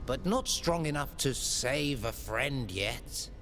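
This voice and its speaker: An actor playing a cryptic, calmly superior mentor in a video game, speaking in riddles with a measured, mocking, theatrical manner. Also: male voice, medium pitch, faint music behind. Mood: teasing, cryptic. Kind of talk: video game character acting.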